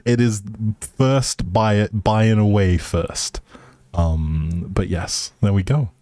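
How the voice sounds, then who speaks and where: A man with a fairly low voice talks as a livestream host, informal and chatty. He speaks directly to his viewers in a casual way. The sound is dry and close on the microphone. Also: warm tone, no echo.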